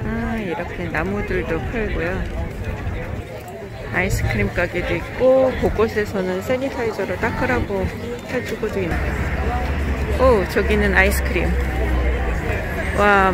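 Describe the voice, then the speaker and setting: A woman's voice: mid-range voice, a little slow, pauses often, heavy background noise. Middle-aged woman vlogging at a busy market. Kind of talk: casual vlog narration and chat. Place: outdoor street market in a parking lot. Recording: outdoor crowd chatter and music behind.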